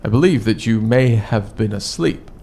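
An actor playing a hesitant, literal-minded male fantasy adventurer in an audio drama, halting and oddly formal. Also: fairly low pitch, lively intonation, mellow, a little hiss or hum. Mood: puzzled. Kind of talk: horror audio drama acting.

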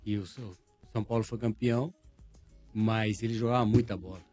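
Older man, calm and even-voiced. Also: fairly low pitch, brisk, soft background music. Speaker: guest. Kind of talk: casual chat.

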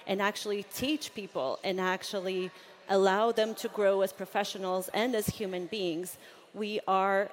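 A woman speaking as a business leader on a panel, articulate and conversational, building points in lists. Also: mid-range voice.

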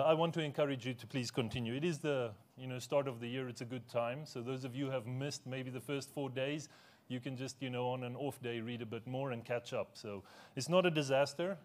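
A man's voice: mid-range voice, steady tone, brisk. A man whose first language is Afrikaans, preaching a conversational sermon in a church, with easy humor and questions put to the congregation.

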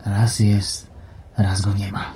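An actor playing a sardonic, resentful job applicant in an audio drama, with a dry, muttering delivery. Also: male voice, on the low side, flat delivery, takes it slowly, dark tone, a little hiss or hum. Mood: mocking. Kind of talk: audiobook drama dialogue and inner thoughts.

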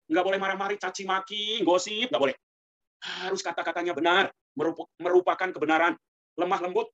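A man's voice: high voice, fairly bright tone. Guy preaching a buddhist sermon, casual and chatty, keeps talking straight to the crowd, slightly muffled lo-fi audio. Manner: colloquial, rhetorical, keeps addressing the congregation.

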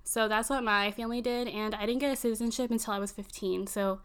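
A woman in her early twenties, a native Filipino speaker raised in Virginia, United States, chats casually as a conversation partner, rambling and filling every pause with "like." Her voice is a little high and clean-toned, with fairly even intonation.

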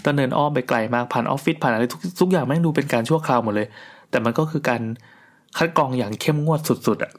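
A man's voice: mid-range voice, fast. A middle-aged man casually telling a long personal story in a chatty, rambling way, with restarts and crude asides.

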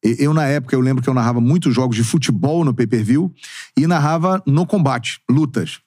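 A man in his forties, a sports narrator, chatting as a podcast guest in an expressive, talkative storytelling way with casual slang. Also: medium pitch, a little fast, no echo, studio quality. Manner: expressive storyteller with emphatic, swooping delivery. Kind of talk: casual interview chat.

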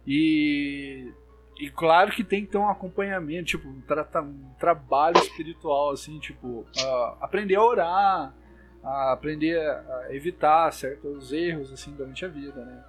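Halting Brazilian man telling spooky stories. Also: a little high, music in the background. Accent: Brazilian Portuguese. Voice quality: hesitant, many restarts and fillers. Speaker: storyteller.

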